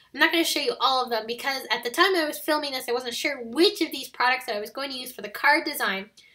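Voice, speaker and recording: A woman's raised, projected voice, high in pitch, at a very fast pace with ordinary pitch variation. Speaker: card-making crafter. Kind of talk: tutorial voiceover.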